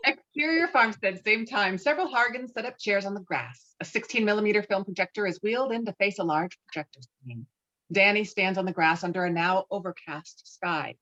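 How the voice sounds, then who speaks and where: A woman's voice: medium pitch, a little fast, pushed and bright. A woman reading scripted stage directions as narrator at a table read, slightly muffled as on a video call.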